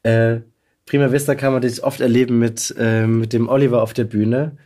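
Low-key husky male podcast host. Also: fairly even intonation, normal speed, warm tone. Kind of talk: casual interview chat.

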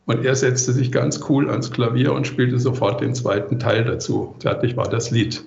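A man in his sixties giving measured, articulate, reflective answers as an interview guest. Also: mid-range voice, gravelly, a little mellow, reverberant, highs cut off. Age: 60s.

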